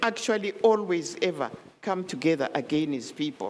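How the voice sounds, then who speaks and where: A woman speaks with very wide pitch swings. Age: 80s+. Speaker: peace activist. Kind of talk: panel speech.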